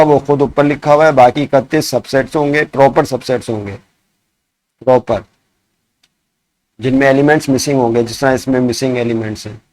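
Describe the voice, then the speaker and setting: A man teaching a math lesson. He asks his students questions and answers them himself, and he slows down to dictate each problem word by word. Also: mid-range voice, darkish tone, dry recording. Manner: mixes in English math terms. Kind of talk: classroom lesson explaining sets.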